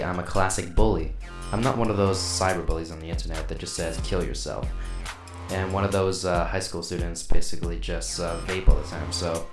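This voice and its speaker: A man's voice: low-pitched, reverberant, lightly acted. A man voicing a cocky young school bully who rambles and keeps saying "basically". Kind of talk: amateur animation voice acting.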